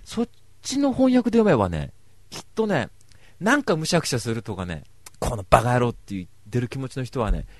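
A man's voice: mid-range voice, huge pitch swings, a little fast, dry recording. A man giving a casual, rambling book review, wry and self-mocking.

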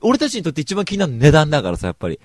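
A man hosting a radio show, telling a comic story in rough, blunt casual speech and retelling it with big exaggeration. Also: a little high, huge pitch swings, rapid-fire, no echo, studio quality.

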